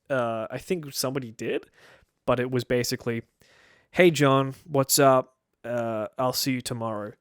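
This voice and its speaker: A man's voice: medium pitch, no echo, clean studio sound. A young man talking to the camera in a casual, rambling way, wry and full of self-interruptions. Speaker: video creator. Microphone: camera-facing mic.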